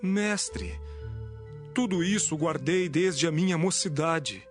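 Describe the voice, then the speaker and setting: A man's voice: on the high side, expressive, takes it slowly, soft background music. A man playing a devout, earnest rich man questioning his teacher in an audio Bible drama.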